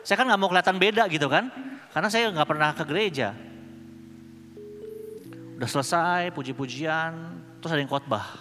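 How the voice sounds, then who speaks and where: Man, slightly high voice, conference preacher sharing a humorous, slangy testimony on a stage mic in a big reverberant hall. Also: fairly quick, long pauses, bright, forceful tone. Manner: casual, humorous storytelling with slang. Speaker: conference speaker. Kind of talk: personal testimony sermon. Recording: long hall reverb with music underneath.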